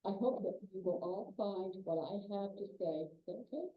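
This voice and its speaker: A woman's voice: mid-range voice, normal speed. A woman guest speaker opening her talk, friendly and checking that the audience can hear her. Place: meeting room. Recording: dull, echoey room sound.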